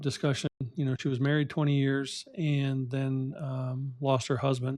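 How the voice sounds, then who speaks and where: Using a normal speaking voice, a man talks fairly high in pitch at a moderate pace. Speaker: podcast host. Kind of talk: podcast interview host.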